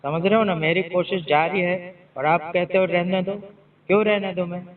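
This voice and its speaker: A man's voice: high voice, fairly even intonation, moderate pace. A man, a pastor, talking sternly on a phone call, scolding and repeating himself. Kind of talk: phone conversation. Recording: tinny phone line, far from mic.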